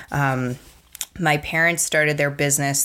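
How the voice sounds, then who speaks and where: A woman's very deep, low voice in a Canadian accent, at a moderate pace with fairly even intonation. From Canada, rural Alberta. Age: 20s. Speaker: podcast host. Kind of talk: casual monologue.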